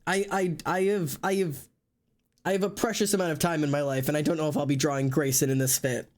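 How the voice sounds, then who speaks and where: An excitable streamer and artist chatting casually on a live stream. The talk rambles, full of restarts and offhand swearing, at an ordinary middle pitch. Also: fairly quick. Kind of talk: casual chat.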